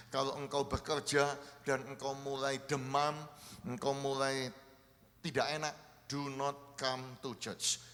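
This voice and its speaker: Energetic pastor in a reverberant church hall. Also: male voice, on the high side. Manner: lively, coaxing the congregation to practise greetings. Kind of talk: sermon with congregation greetings.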